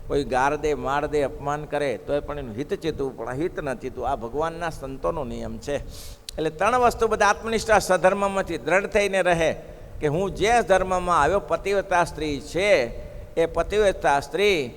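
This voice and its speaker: Gujarati guy preaching, does voices for the story folks, raspy-ish tone, big hall echo. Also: fairly high pitch, moderate pace. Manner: animated storyteller, acts out the people in his tales. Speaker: religious speaker at a gurukul. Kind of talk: sermon storytelling. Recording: long reverb of a hall.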